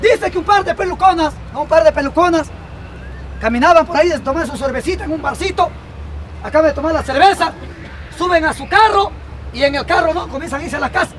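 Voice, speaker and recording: A man telling crude jokes in the street, often checking in with the crowd. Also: extremely high pitch. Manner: rapid, crude, asks crowd for approval. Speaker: street comedian. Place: outdoor street. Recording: loud outdoor street crowd and traffic.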